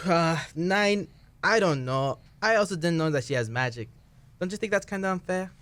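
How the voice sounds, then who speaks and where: A man's voice: high-pitched, animated, normal speed, fairly bright tone, slight background noise. A man playing a weird, sullen boy in a comic radio play, with a blunt, odd delivery. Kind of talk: comedic audio drama acting.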